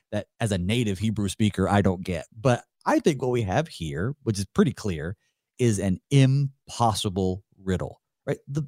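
A man's voice: medium pitch, warm tone, dry recording, clean studio sound. A male pastor hosting a solo Bible study, talking it through in a conversational way, thinking aloud with light chuckles. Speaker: pastor and host.

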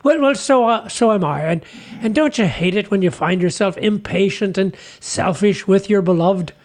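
An actor playing a humble, folksy fisherman apostle in a comic radio sketch, earnest and chatty, halting over his words. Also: high-pitched, a little mellow, natural voice. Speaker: guest character.

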